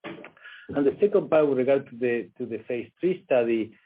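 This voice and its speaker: A man with a medium-pitched voice explains clinical details as an executive on a conference call. The audio is narrow and muffled, as on a telephone. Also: expressive, normal speed, slightly rough. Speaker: company medical executive. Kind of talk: technical answer on an earnings call. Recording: narrow muffled phone line.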